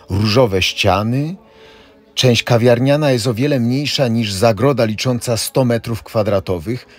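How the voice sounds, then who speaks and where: A middle-aged man with a husky voice, a tour guide narrating a voice-over and listing facts steadily. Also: lowish voice. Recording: voice-over with faint background music. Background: faint music.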